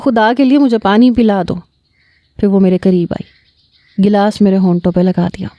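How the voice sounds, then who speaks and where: Dark-voiced woman telling a story. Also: medium pitch, no room sound. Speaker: story narrator. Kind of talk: first-person audio story narration.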